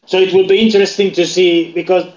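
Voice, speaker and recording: A man with a slightly raised voice, chatting loosely and often restarting his sentences. His voice carries a clear echo from the room, and the audio sounds dull and lo-fi. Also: sits high, level tone, fast talker, darkish tone. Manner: rambling, with frequent restarts. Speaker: podcast co-host. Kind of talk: casual gaming chat.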